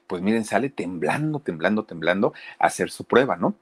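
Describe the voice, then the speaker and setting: A man tells a story in a casual, chatty way, often speaking straight to his listeners. His voice is low. His pitch swings widely and keeps him lively. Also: brisk, breathy edge. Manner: chatty, addresses listeners directly. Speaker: storyteller host.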